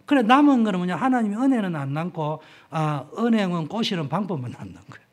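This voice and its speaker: A man's voice: sits high, big pitch swings, fast. A middle-aged male pastor with a Gyeongsang accent, preaching in a frank, conversational way and acting out the dialogue in his stories. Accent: Gyeongsang Korean. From South Korea, Gyeongsang region. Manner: frank, conversational, acts out dialogue with sudden jumps in loudness. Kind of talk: sermon.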